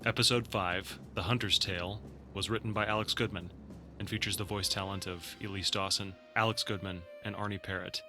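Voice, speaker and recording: Low-voiced man reading credits over music. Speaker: announcer reading end credits. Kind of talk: scripted narration. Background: theme music.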